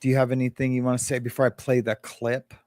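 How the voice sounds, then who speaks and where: A man's voice: mid-range voice, completely flat delivery, fast, a little mellow, no room sound. Laid-back rambling man with dry sound. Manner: rambling, laughs often, many fillers and restarts. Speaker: livestream co-host. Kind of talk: casual live chat.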